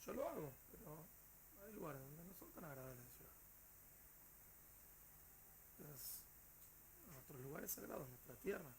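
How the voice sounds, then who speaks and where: A male teacher with a Rioplatense Spanish accent, telling a story to his class in an animated way with hesitant fillers. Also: on the high side, normal speed, vocal fry, pauses often, slight background noise.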